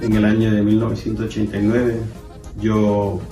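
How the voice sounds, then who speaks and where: Man, low gravelly voice, heartfelt; roomy, distant, music bed. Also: monotone, moderate pace. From Guatemala. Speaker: interviewee.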